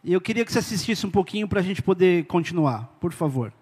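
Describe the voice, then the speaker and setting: A man's voice: high-pitched, lively intonation, quick pace, darkish tone, slightly rough, in a large hall. A man preaching an informal sermon in a conversational way, talking directly to his listeners.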